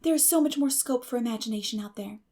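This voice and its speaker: A woman's voice: a little high, quick pace, dark tone. A woman voicing a dreamy, earnest, talkative young orphan girl in a gushing, dramatic audiobook reading. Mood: wistful, eager.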